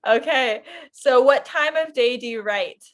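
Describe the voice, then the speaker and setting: A woman co-hosting a podcast in a relaxed conversational style. She has a Canadian accent and a voice pitched a little above average. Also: measured pace. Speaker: podcast co-host. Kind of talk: casual chat.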